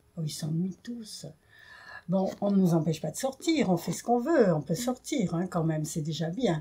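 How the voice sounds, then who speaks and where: A woman's somewhat breathy voice sits at a medium pitch and moves at a moderate pace. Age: 70s. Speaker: retired resident of a senior residence. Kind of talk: interview.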